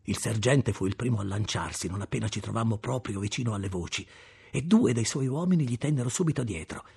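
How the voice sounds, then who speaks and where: A man reading a novel aloud with expressive, dramatic storytelling. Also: on the low side, a little fast, vocal fry, husky. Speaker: audiobook narrator. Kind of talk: scripted narration.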